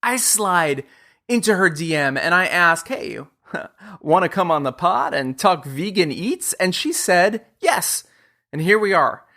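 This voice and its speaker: A man hosting a podcast, joking playfully and talking in an animated, upbeat way. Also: high-pitched. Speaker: podcast host.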